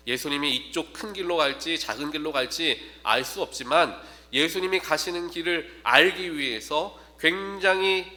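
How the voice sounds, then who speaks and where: A man preaching an early-morning sermon in a bright, forward voice pitched a bit high for a man. He talks earnestly and draws his words out as he voices the pleading cries in the text. A faint electrical hum sits under the recording. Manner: earnest, slows and rises when quoting cries. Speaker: pastor. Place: church.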